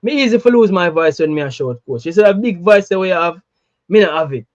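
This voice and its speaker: A Jamaican man chatting casually about football, animated, slipping into patois. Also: high voice, a little fast, no room sound, dull audio. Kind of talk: casual chat.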